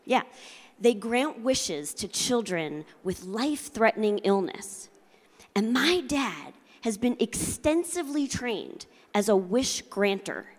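A middle-aged woman with a fairly high voice speaks from a convention floor, her words carrying long reverb from the hall. She delivers a motivational keynote as comic storytelling, with theatrical emphasis aimed right at her audience. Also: big pitch swings, slow pace. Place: large convention hall, indoors. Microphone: handheld microphone.

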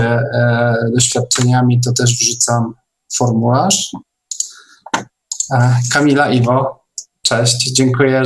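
A man hosting a casual online interview, speaking in a hesitant, halting way. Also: mid-range voice, noisy background. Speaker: host of an online meeting. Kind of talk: casual interview over a video call.

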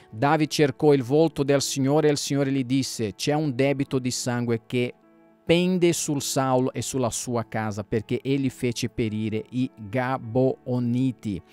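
Man, pastor, bible reading, smooth resonant voice, faint background music, occasional self-corrections. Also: medium pitch, a little slow, darkish tone.

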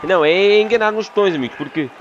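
A man with a European Portuguese accent giving excited gameplay commentary, swearing and rapidly repeating words. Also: high-pitched, lo-fi sound. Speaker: gaming commentator. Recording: loud crowd and game noise behind. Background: game crowd noise.

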